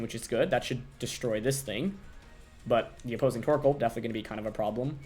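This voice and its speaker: A young man narrates his own competitive match, thinking aloud and questioning each move. His voice jumps around with lively pitch. Quiet background music sits under his desk-mic commentary. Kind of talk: live gameplay commentary.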